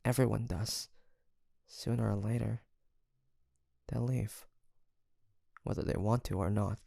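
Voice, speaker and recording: Man playing a hesitant, slow-speaking wounded hunter. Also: fairly low pitch, fairly even intonation, creaky, no echo, clean studio sound, exaggerated voice. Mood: sad, confiding. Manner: hesitant, halting, sighing, soft-spoken. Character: weary, guarded young demon hunter, tender and wounded. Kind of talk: intimate audio roleplay drama.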